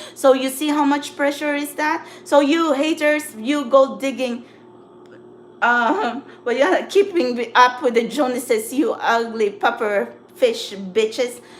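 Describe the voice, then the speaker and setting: Noticeable background noise sits behind a woman speaking at a high pitch. Her intonation is lively and her pace fairly slow. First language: not English (Filipino background). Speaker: tarot reader. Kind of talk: casual livestream monologue. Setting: livestream at home. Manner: filler-heavy, halting.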